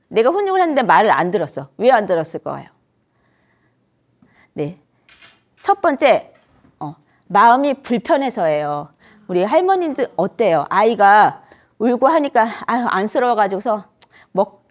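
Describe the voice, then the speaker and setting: Lively high-voiced woman lecturer. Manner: earnest, asks the audience questions and answers them herself. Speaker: parenting lecturer for grandparents. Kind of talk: instructive lecture to an audience.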